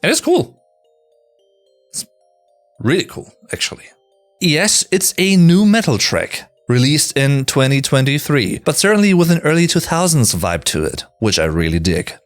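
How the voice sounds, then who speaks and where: A man's voice: on the high side, sing-song, normal speed. A man in his early thirties, a native German speaker, giving emphatic, conversational music commentary as a video host. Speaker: music reviewer, YouTube host. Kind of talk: scripted countdown commentary with casual asides.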